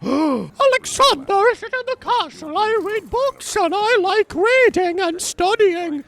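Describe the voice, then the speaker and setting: A man voicing a theatrical reader of gothic horror notes in a high, put-on falsetto, with a formal, overacted, melodramatic delivery. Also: lively intonation, slow pace, a bit bright, heavily acted. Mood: prim.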